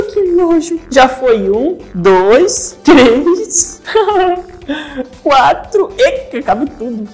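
A playful woman from Brazil chats through a video game for her viewers, her voice sitting on the higher side. She is excitable and giggly and keeps calling out to her audience. Faint music plays behind her. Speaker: gaming YouTuber. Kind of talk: playful let's-play commentary.

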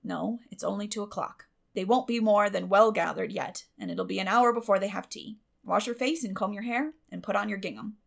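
A woman voicing a stern, plain-spoken older spinster with a brisk, firm manner in a storybook reading. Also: mid-range voice, creaky. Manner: brisk, firm, matter-of-fact.

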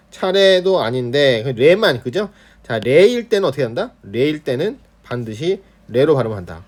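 With a medium-pitched, somewhat mellow voice, a man teaches an online Korean grammar lesson on pronunciation. He models the sounds and checks in with his students all the time.

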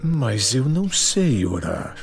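A man voicing a doubtful adult rooster husband in a children's cartoon, with a rough, husky voice. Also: mid-range voice, big pitch swings, takes it slowly, soft background music, heavily acted. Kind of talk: animated storybook dialogue.

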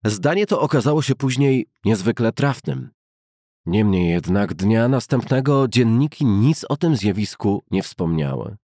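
A man narrating a novel as an audiobook in a measured, formal storytelling manner. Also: fairly low pitch, lively intonation, warm tone, no room sound, studio quality. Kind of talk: scripted literary narration of a novel.

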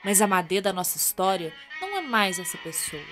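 A woman with a Brazilian accent narrating a radio serial as theatrical storytelling, with deliberate dramatic pauses. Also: medium pitch, big pitch swings, over loud music.

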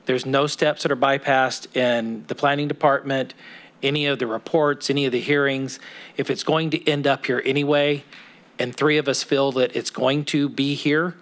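A man's voice: medium pitch, steady tone, normal speed, fairly bright tone. A middle-aged man speaking as a city council member in a council chamber, arguing his point step by step. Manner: persuasive, argues point by point. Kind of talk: council meeting remarks. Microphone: desk microphone.

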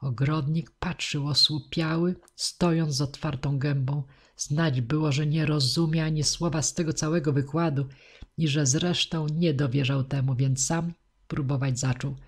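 Breathy woman narrating an audiobook. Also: sits low, fairly even intonation, normal speed. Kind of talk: scripted narration of a classic novel.

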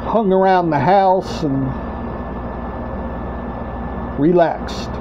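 Middle-aged male vlogger, slightly high voice, halting and repetitive, casual show-and-tell; dull, noisy home recording. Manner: halting, short broken phrases, repeats himself. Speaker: host of a collection video channel. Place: small room at home, indoors. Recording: dull lo-fi webcam-like sound, clear background noise.

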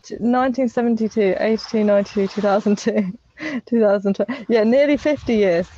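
A woman's voice: on the high side, fairly quick, dark tone. A young woman, chatting casually as a podcast guest, with lots of fillers and restarts. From England. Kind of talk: casual interview chat. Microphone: earphone mic on a video call. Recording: lo-fi video call audio.

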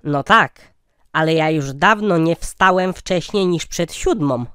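A man's voice: on the high side, takes it slowly, fairly bright tone, clean tone, no room sound, studio quality. Man playing a blunt, cheeky old cartoon codger. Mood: matter-of-fact. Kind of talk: cartoon comedy sketch dialogue.

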